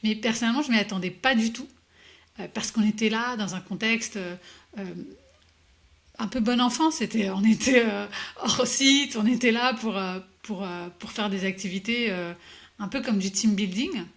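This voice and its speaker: A woman's voice: medium pitch, normal speed. Hesitant woman guest telling a story. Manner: hesitant, many fillers and restarts, reflective storytelling. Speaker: executive coach, podcast guest. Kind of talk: conversational interview answers.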